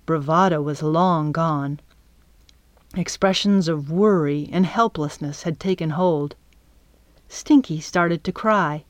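Slow, low-voiced woman reading a story. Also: no echo. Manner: calm, measured storytelling. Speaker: audiobook narrator. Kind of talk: scripted narration.

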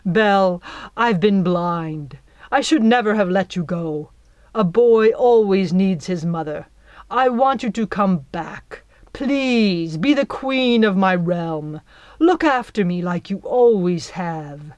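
A woman's voice: mid-range voice, animated, slow pace, darkish tone, dry recording. A woman reading an audiobook, voicing a scheming young male giant who sweet-talks in a theatrical, coaxing way.

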